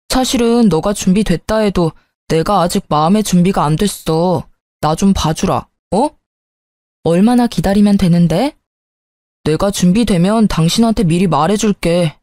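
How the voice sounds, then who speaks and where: An irritable young husband who dodges and grumbles in a lowered voice, as a woman puts him on. The tone is soft and mellow. The sound is close and dry. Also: a little slow, no room sound, close to an everyday voice. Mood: coaxing.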